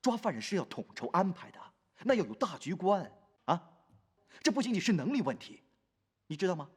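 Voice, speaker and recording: Husky, pompous police chief, swooping pitch. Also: male voice, very animated, fairly quick, a little mellow, full character voice. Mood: indignant, scolding. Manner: pompous scolding, fussy repetition. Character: blustering, fawning male police bureau chief. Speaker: actor playing a police chief. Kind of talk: Chinese period TV drama acting. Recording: echoey hall reverb.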